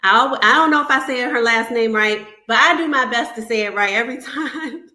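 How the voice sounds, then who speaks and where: A woman's voice: fairly high pitch, fairly quick, bright, forceful tone, roomy sound. A woman hosting an interview show, chatty and enthusiastic as she welcomes and questions her guest. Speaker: podcast host.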